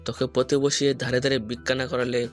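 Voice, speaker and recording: A man's voice: mid-range voice, level tone, brisk, soft background music, close to an everyday voice. An actor playing a mocking, vengeful male criminal who taunts his rival over the phone, menacing in tone. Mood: taunting.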